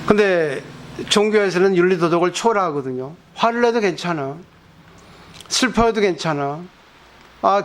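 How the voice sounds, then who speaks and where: A Buddhist monk giving a sermon at a weekend temple service, teaching conversationally and often putting rhetorical questions to the listeners. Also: male voice, high voice.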